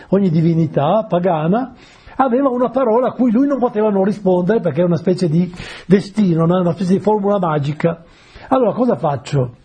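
A man delivers a conversational sermon in a deeply husky voice that sits fairly high yet sounds very dark and mellow. He explains words patiently and keeps checking in with his listeners through rhetorical questions. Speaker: preacher.

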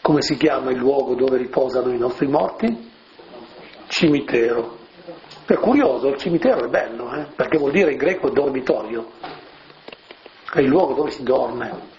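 A man's voice: mid-range voice, lively intonation, moderate pace, long pauses. Man preaching a chatty homily, muffled. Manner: conversational, with rhetorical asides and soft fillers. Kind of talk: homily explaining scripture. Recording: muffled lo-fi recording with faint hiss.

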